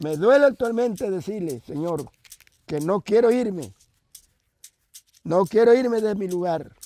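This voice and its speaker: Lively intonation marks this fairly slow speech, broken by long, frequent pauses. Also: man, high pitch for a man. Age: 80s+. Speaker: displaced local resident. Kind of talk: documentary interview.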